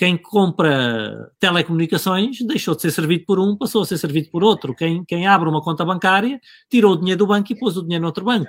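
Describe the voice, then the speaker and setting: A man talks very fast in a European Portuguese accent, his voice high-pitched for a man. His intonation is lively and he hardly pauses at all. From Portugal. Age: 50s. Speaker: business consultant. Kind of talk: casual interview. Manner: hesitant, many fillers and repetitions.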